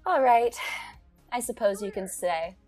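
A woman's voice: on the high side, lively intonation, unhurried, a little mellow, slightly rough, soft background music, voice pushed up. A woman voicing a bold young girl who plays at being a knight and makes grand, theatrical pronouncements. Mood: teasing.

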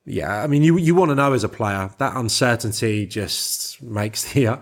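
A man giving casual football analysis as an ex-player pundit, in a measured, matter-of-fact way. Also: mid-range voice, animated.

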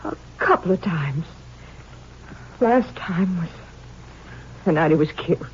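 An actress playing a grieving, gracious sheriff's widow, gentle, folksy and hesitant, in 1950s radio drama style. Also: female voice, fairly low pitch, animated, takes it slowly, a little hiss or hum. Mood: sorrowful. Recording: dull vintage 1950s radio recording.

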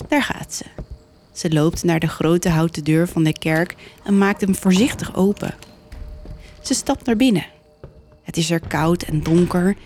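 A woman podcast host narrating a folk tale in a clear, steady storytelling manner. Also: on the low side.

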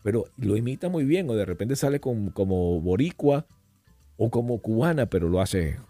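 Soft music plays behind this middle-aged podcast guest, whose lowish voice carries at a moderate pace with no room sound. Chatting casually, he spins animated stories and drifts into different voices and accents along the way.

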